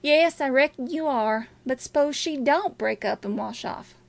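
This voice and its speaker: Casting: murderous river gang man played by a female reader, rustic dialect, blunt, high voice, audiobook story. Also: measured pace, vocal fry, dry recording. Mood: agreeing.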